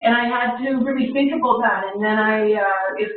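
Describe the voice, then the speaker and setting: A woman's high-pitched voice at a moderate pace, with ordinary pitch variation and audible room echo. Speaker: songwriter and painter. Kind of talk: casual chat. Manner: halting.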